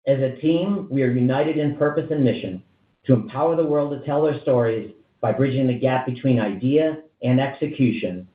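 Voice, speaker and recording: Man on a tinny, echoey phone line. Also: medium pitch. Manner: formal, measured reading from prepared remarks. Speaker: company chief executive. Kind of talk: scripted earnings call presentation. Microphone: conference call phone line.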